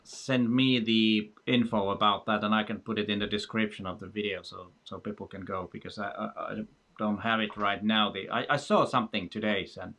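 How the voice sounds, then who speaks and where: A man's voice: fairly low pitch, steady tone, a little fast, a bit bright. A man from Finland, hosting a casual live stream and reading out viewer questions in a friendly manner.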